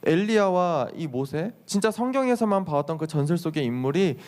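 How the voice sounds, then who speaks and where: A young male youth pastor gives a sermon to teenagers with a slightly raised voice. He tells the story in a lively way, acts out what people say with exclamations, and keeps turning to his listeners with questions. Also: on the high side, a little fast. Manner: addresses the listeners directly with questions.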